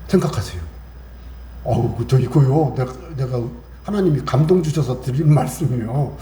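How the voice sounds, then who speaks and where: A man's voice: medium pitch, animated, normal speed, warm tone. A man preaching a Sunday sermon in a chatty way, quoting scripture and acting out small exchanges. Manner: conversational preaching, acts out little exchanges and quotes scripture. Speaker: pastor. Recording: echoey church room, faint hiss.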